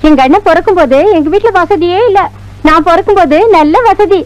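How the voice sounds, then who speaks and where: An actress playing the warden's young sister, teasing and playful in a film comedy. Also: female voice, extremely high pitch, a little fast, low-quality recording.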